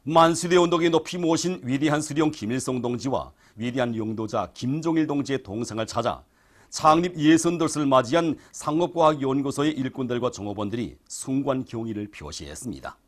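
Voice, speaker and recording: A man's voice: mid-range voice, fairly quick. Formal North Korean male news announcer. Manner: formal, solemn broadcast delivery. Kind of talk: scripted state news bulletin.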